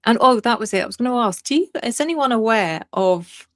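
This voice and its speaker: A woman's voice: a little high, expressive, a little fast, no room sound, clean studio sound. A woman hosting a live stream, chatting casually and reassuringly with her co-host and greeting viewers. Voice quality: soothing.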